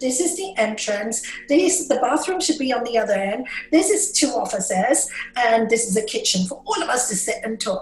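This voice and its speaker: Music in the background beneath speech with very wide pitch swings. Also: woman. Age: 60s. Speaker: yoga teacher. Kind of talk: interview conversation. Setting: video call. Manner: animated.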